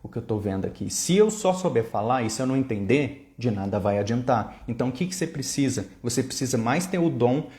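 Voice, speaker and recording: A man's voice: medium pitch, animated, a little fast, few pauses, dark tone, reverberant. A Brazilian man with a Brazilian Portuguese accent, talking casually in a vlog and explaining things step by step with examples. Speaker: language-learning vlogger.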